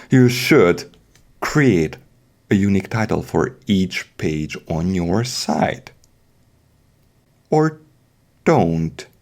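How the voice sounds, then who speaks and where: Male podcast co-host, low-pitched, creaky delivery. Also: a little mellow. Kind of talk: casual panel chat with some mock-dramatic reading.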